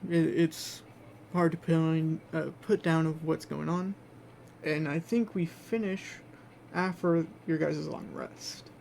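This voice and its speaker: A man acting as game master in a tabletop game, improvising narration in a halting way as he searches for words. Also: a little high, steady tone, creaky, a little mellow. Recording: faint background noise.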